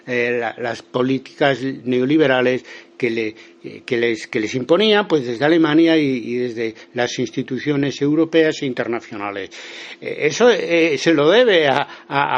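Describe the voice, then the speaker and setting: A man with a Galician Spanish accent giving a phone interview as a guest, talking hesitantly with many fillers and restarts. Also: medium pitch. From Spain. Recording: lo-fi phone line.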